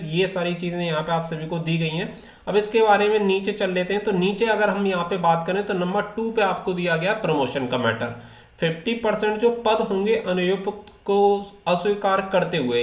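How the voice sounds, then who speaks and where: A man presenting an informal educational explainer, reading out official rules and then restating them step by step in a repetitive way. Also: high voice. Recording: echoey, reverberant room.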